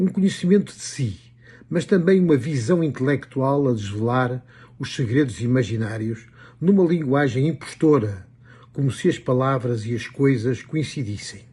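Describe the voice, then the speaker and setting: A man with a European Portuguese accent speaks at a moderate pace and medium pitch. His tone is dark and mellow, somewhat breathy, with lively intonation. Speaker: poet. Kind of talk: reading aloud.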